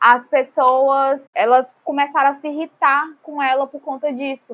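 A woman speaks at a high pitch. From Piauí, Brazil. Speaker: podcaster. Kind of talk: casual chat.

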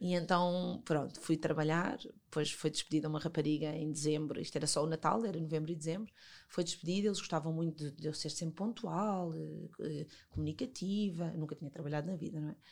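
A woman's very deep, low voice in a Lisbon accent, with ordinary pitch variation and a fairly quick pace. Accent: European Portuguese, Lisbon. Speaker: business owner. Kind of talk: interview, personal life story.

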